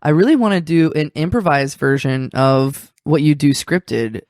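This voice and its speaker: A man's voice: a little high, normal speed, a little mellow, dry recording, clean studio sound. A man hosting a podcast, interviewing guests in a casual, conversational style.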